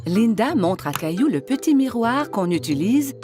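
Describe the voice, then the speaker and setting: High, lively woman storyteller. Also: moderate pace, music in the background. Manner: expressive storytelling that voices the characters' lines. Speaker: narrator. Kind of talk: scripted children's cartoon narration.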